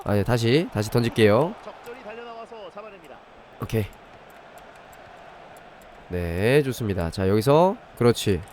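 A man with a lowish, darkish voice speaks slowly and very animatedly, leaving long pauses. He hosts a live game stream, walking through things step by step and breaking off to chat with viewers, in a mix of gaming commentary and review.

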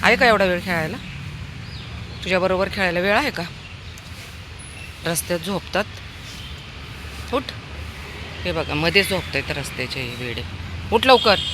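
A woman vlogging on a city street, talking casually to viewers and coaxing street dogs with loud, high calls. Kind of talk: casual vlog talk. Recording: noisy outdoor street recording.

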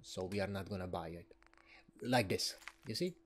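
A man's voice: low-pitched, normal speed, a little hiss or hum. A man giving casual, rambling commentary while playing a video game, often chuckling. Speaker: let's play gamer.

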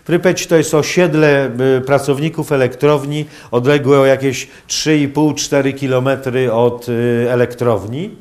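A man giving a public lecture in a halting, hesitant manner with long pauses. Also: mid-range voice, fairly even intonation, a little mellow. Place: university lecture hall, indoors.

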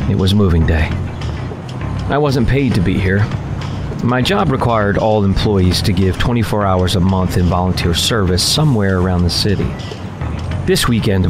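A man playing a polite, wry young worker, narrating an audio drama in a measured first-person storytelling manner. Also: low-pitched. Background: music under the voice.

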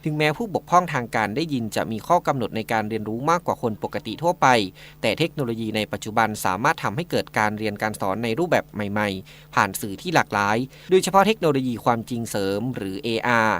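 Man, radio news reporter, brisk pace, average pitch, scripted report. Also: animated, a bit bright.

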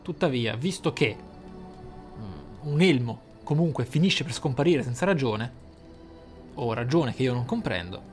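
A man giving casual, excitable playthrough commentary, often thinking aloud. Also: medium pitch, measured pace. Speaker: gaming channel host. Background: game music.

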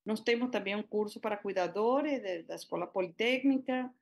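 A middle-aged woman with a Spanish accent presents over a video call, pausing on fillers and starting her sentences over as she goes. She speaks Portuguese as a second language. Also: mid-range voice. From Venezuela. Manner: hesitant, many fillers and restarts. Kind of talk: public hearing presentation.

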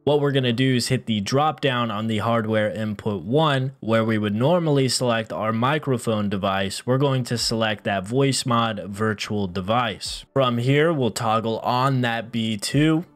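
A man in his thirties hosting a software tutorial, explaining things methodically step by step in an instructional style. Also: mid-range voice, measured pace, few pauses. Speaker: tutorial host. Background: background music.

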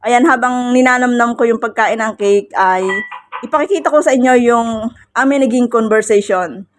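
A woman's voice: on the high side, normal speed, a little hiss or hum. A woman in her thirties giving casual, heartfelt birthday vlog talk to her viewers, with English phrases mixed into her speech. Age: 30s. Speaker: vlogger.

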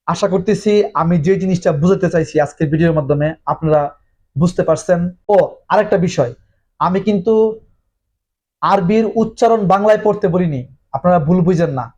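A man's voice: sits high, a little mellow. A man giving a direct-to-camera talk on religion, earnest and persuasive, throwing rhetorical questions at the viewer and dropping in English words. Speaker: religious commentator.

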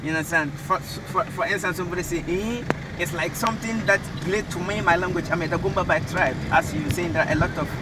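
A man's voice: high-pitched, fast. A man with a Ghanaian accent, driving and chatting earnestly, often repeating words as he talks. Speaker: ride-hail driver. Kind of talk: casual chat. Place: driver's seat of a moving car. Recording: car and road noise, distant mic.

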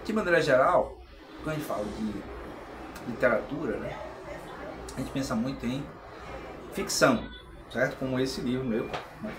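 A man's voice: mid-range voice, moderate pace, pauses often. A middle-aged Brazilian man giving an informal video lecture, conversational and often checking in with tag questions. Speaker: channel host and philosophy explainer. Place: small tiled room, indoors. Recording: echoey room with clear background noise.

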